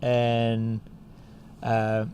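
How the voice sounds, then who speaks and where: A man's voice: mid-range voice, monotone, extremely slow, mellow, slight background noise. A man from Spain with a Spanish accent, a music school co-founder chatting casually on a podcast and telling a story with lots of fillers. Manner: storytelling, many fillers like "you know" and "like".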